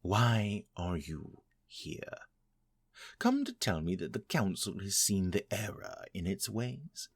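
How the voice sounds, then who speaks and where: A man playing a haughty, vengeful vampire lord in an audio drama, husky and pompous. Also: lowish voice, sing-song, dry recording, studio quality, full character voice. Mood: scornful. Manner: pompous, imperious, slow and deliberate. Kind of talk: scripted audio drama acting.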